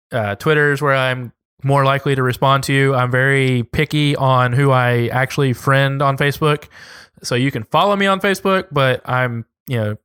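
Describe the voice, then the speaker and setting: A man's voice: medium pitch, fairly bright tone, smooth, no room sound, studio quality. A man co-hosting a casual podcast, rambling in a friendly way as he plugs his social handles. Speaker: podcast co-host. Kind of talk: casual podcast sign-off chat.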